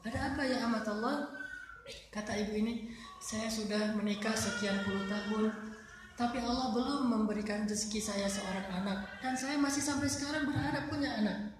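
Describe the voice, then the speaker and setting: A woman giving a sermon, telling a story and acting out its dialogue in an animated way. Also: mid-range voice, moderate pace. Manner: animated, acts out dialogue in her tale. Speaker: preacher. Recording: echoey hall with faint noise.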